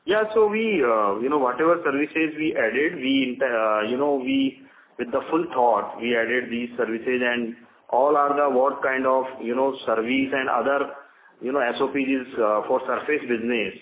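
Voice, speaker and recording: A man with an Indian accent, a company executive, giving answers in halting, fragmented phrases on an earnings call. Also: medium pitch. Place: conference phone call. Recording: narrow tinny phone line, faint noise.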